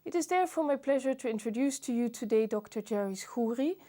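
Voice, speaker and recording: A woman host speaks in a measured, formal way, first reading a scripted introduction and then putting questions to her guest. Her voice sits a little high and sounds mellow and warm. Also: animated.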